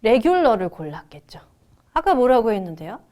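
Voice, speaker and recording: A woman giving an exam prep lecture as an English teacher, reading English lines slowly, then translating and explaining in a chatty way with rhetorical questions. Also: a little high, very animated, mellow.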